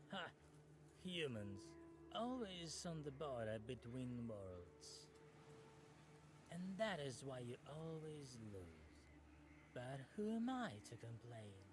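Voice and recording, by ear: A man uses a creaky, put-on character voice at medium pitch, talking at a very slow pace with long, frequent pauses over clear background noise.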